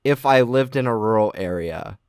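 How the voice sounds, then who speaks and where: A man's voice: fairly low pitch, lively intonation, normal speed, a little mellow, clear, resonant tone, no room sound, clean studio sound. A young man from Arizona co-hosting a podcast, talking in a laid-back, hedging way. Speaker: podcast co-host. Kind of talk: casual podcast chat.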